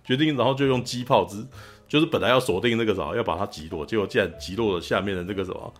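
A man's voice: lowish voice, racing, soft background music. A man with a Taiwanese Mandarin accent hosting a podcast, animatedly retelling a film scene in casual chat and tagging his lines with "you know?". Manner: animated retelling, frequent "you know?" tag, laughs often. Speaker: podcast host.

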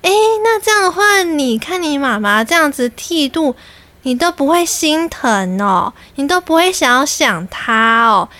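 A woman's voice: high voice, very animated, measured pace, sharp tone, dry recording, heavily acted. Woman doing a nosy, fake-sweet old gossip. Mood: prying.

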